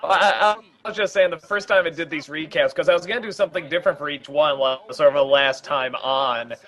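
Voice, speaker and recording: A man giving a casual film commentary, talking in a rambling, halting way with many restarts. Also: fairly high pitch, a bit bright.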